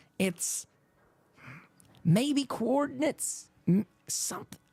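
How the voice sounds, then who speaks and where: A man uses a raspy, put-on character voice with very wide pitch swings. The sound is dry and close with no echo, a very clean recording with a silent background. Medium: actual play. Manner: rambling, hesitant.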